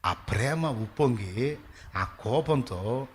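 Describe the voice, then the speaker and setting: A male pastor preaching a sermon in an animated way, putting questions straight to his congregation. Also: mid-range voice, slow pace.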